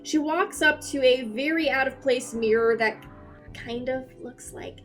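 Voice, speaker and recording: A woman's voice: sits high, unhurried, fairly bright tone. A woman giving casual video commentary in an irreverent, sweary, self-deprecating and jokey manner. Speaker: YouTuber host. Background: background music.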